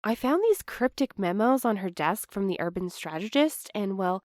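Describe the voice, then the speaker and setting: A woman playing an anxious, apologetic young postal worker in a fiction podcast, earnest and halting in her delivery. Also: medium pitch, expressive, a little mellow, no echo, studio quality, lightly acted. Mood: anxious, defensive. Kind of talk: fiction podcast audio drama acting.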